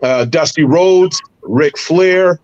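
A middle-aged man from Barbados, a former wrestler and promoter, recalling his career in an animated, detailed way as a podcast guest. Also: on the high side, slow pace, muffled recording. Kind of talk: casual interview storytelling.

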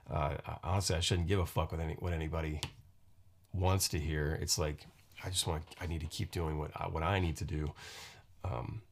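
A man in his forties with a very low, deep voice talks into a podcast microphone. He wanders from thought to thought, restarting sentences and filling pauses with ums and you-knows, in a loose, casual solo chat. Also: gravelly. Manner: rambling, halting, many restarts and fillers. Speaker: podcast host and musician.

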